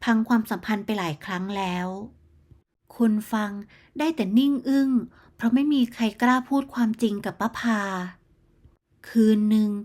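A woman narrating a moral bedtime story in a steady, measured storytelling manner. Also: on the high side.

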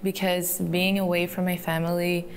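A teenage woman from Canada answering interview questions in a soft, giggly way with many ums, filmed in a photo studio. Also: on the low side, level tone, normal speed, slight background noise. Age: teens. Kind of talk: recorded profile interview. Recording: clip played with faint music.

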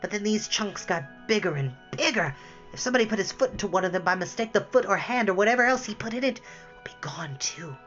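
A reader voicing an anxious high-pitched will-o'-the-wisp. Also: animated, a bit bright, dull audio, soft background music, natural voice. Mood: worried explaining. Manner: anxious, breathless, rushing. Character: frightened fluttering will-o'-the-wisp spirit, male.

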